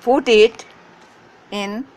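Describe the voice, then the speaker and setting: A woman whose first language is Hindi, hosting a gardening channel and giving slow step-by-step instructions in short phrases. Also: a little high, darkish tone, a little hiss or hum. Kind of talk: step-by-step how-to narration.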